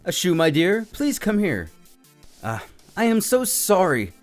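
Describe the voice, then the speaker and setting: Man playing a courtly, theatrical, high-pitched attendant. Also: wildly swooping pitch, measured pace, heavily acted. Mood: apologetic. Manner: formal, flowery, melodramatic. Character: courtly, theatrical male attendant of a war god. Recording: music behind the voice.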